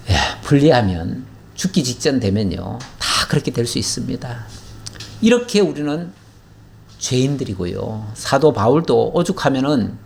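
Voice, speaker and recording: Lively, expressive pastor teaching scripture. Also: male voice, on the high side, creaky. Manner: conversational, asks the listeners questions; reads scripture in an old formal register. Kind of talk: Bible teaching sermon.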